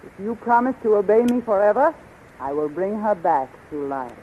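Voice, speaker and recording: A woman's voice: medium pitch, expressive, moderate pace, lightly acted. A woman playing an imperious, seductive and scheming sorceress queen with a commanding, theatrical delivery in a 1930s radio serial. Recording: muffled, noisy 1930s radio recording.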